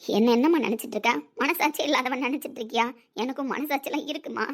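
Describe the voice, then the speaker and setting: A woman playing a stubborn young daughter in a family web drama, cold and defiant toward her mother. She answers in short, curt lines. Her voice is slightly high and her delivery quick.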